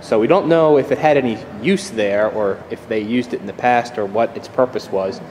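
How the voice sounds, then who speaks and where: The audio is poor, with a long reverb tail and slight hiss or hum, but the man's medium-pitched, slightly mellow voice moves at normal speed. He's a US channel host casually touring a machine shop at an outdoor engine show, relaxed and stumbling over words, repeating them while thinking.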